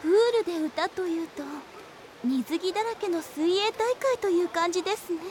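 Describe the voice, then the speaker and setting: A young maid in an anime audio drama, formally polite yet playful. Her voice is extremely high, with clear noise in the background. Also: moderate pace, a little mellow. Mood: politely teasing. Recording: noisy background.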